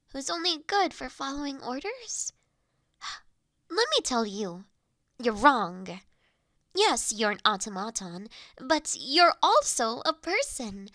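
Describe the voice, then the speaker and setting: Speaking in a high register with a full character voice, a woman plays the gentle, formal young lady of a manor in a roleplay audio drama. Her lines are earnest and caring, phrased in a measured, old-fashioned way, and the studio-quality sound has no echo.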